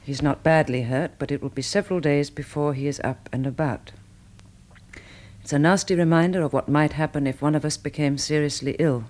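An actress playing a sensible, caring English wife and survivor, composed and well-spoken, in a 1960s British radio drama. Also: female voice, deep voice, steady tone, a little fast, darkish tone, lightly acted. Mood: sober diary narration. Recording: faintly noisy vintage radio recording.

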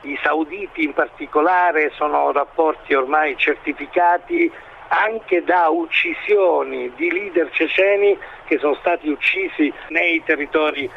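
A man giving expert current-affairs analysis in an interview, speaking in a halting, hesitant way as he builds his points. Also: on the high side, vocal fry, dull audio, slight background noise. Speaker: expert commentator being interviewed.

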